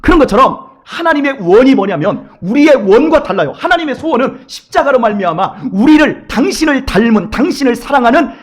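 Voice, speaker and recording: High-voiced, fast, animated male preacher. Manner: animated, acts out his children and God in quoted voices. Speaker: pastor. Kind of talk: lively sermon with acted quotes. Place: church sanctuary.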